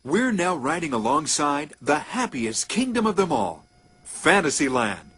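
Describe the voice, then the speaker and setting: A male announcer reads a scripted public-address tour in formal, promotional phrasing. His fairly high voice moves animatedly up and down, with a very husky, unclear tone. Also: sing-song, measured pace, fairly bright tone. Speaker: theme park monorail announcer.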